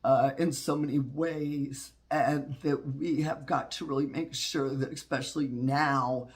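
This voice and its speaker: A man, hosting his own channel and talking through a personal hardship. His low voice is congested from a cold, and he speaks in a folksy, heartfelt way, full of fillers and restarts. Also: steady tone, measured pace. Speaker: witchcraft channel host. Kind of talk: personal reflective talk.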